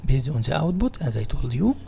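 Male instructor, Egyptian Arabic accent, mellow tone, explanatory tutorial read, some background noise. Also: medium pitch, very animated, fairly quick, vocal fry. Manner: repeats and rephrases in non-native English. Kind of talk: software tutorial reading slides and explaining.

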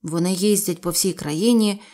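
A woman's voice: lowish voice, normal speed, dark tone, close to an everyday voice. A woman voicing a peasant father sharing news in a storybook reading, in her own conversational voice. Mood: eager.

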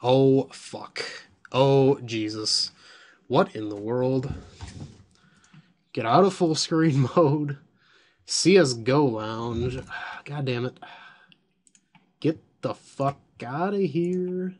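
Man, slightly hoarse from losing his voice, unhurried offhand delivery, thinks aloud and swears at surprises while reviewing software. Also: medium pitch. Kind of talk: casual screen-recorded software review.

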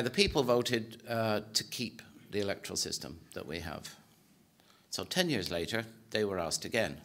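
Measured Irish man lecturing, low voice. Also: a bit bright. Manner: measured, hesitant, many fillers and restarts. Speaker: political science professor giving a presentation. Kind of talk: formal lecture talk. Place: conference hall with audience. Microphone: podium microphone.

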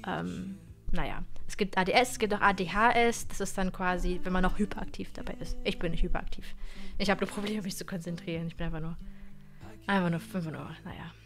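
A woman in her twenties streaming from her gaming room into a boom-arm studio mic, chatting casually and animatedly with viewers, often stumbling and repeating words. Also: steady tone, fast talker, soft background music. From Germany. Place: gaming room with colored wall lights.

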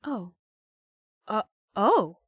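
A woman playing a gentle, hesitant, romantic young courier in an audio drama, thoughtful and a little awkward. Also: medium pitch, very animated, very slow, husky, no room sound, studio quality, heavily acted. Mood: stunned, hesitant.

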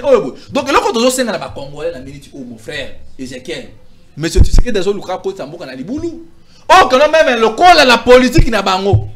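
A man in his thirties arguing politics in a heated TV studio debate, gesturing a lot and stumbling over repeated syllables. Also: high-pitched. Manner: animated, gesturing, stammering restarts. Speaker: political commentator. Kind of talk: heated talk-show debate. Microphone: lapel.

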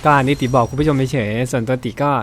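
A man's voice: medium pitch, fairly even intonation, fast talker, a little hiss or hum. A young man chatting casually and teasingly while commenting on his mobile game. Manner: chatty, teasing, laughs often. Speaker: gaming streamer. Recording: music playing behind.

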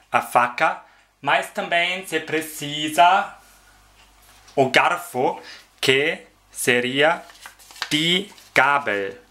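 A man teaches vocabulary at a very slow pace, repeating each word several times. His voice is bright and a bit high, and he enunciates every sound with care. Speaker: German language teacher. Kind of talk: slow, repetitive vocabulary lesson.

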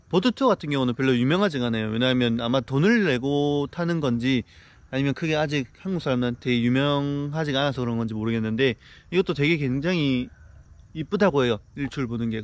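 A young man chatting casually to a camera held at arm's length as he vlogs outdoors by a river and a jungle waterfall, upbeat and quick to get excited. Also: medium pitch, slight background noise. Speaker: travel vlogger. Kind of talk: casual travel vlog.

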